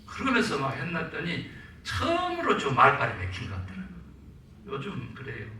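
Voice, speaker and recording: Animated Korean pastor in an echoey church. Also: male voice, fairly high pitch, brisk, a little hiss or hum. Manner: animated, acts out quotes and calls for amens. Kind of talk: sermon. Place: church sanctuary. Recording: very echoey church, mic at a distance.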